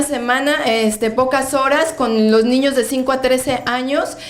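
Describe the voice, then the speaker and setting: Over noticeable background noise and audible room echo, a woman speaks in a high pitch with monotone, flat intonation. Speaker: church ministry worker. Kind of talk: ministry report. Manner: fast.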